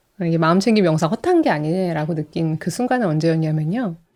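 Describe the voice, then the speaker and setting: Lively intonation marks a woman's ordinary speaking voice at a moderate pace. The recording is very clean, its background silent. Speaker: talk show host. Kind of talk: casual conversation.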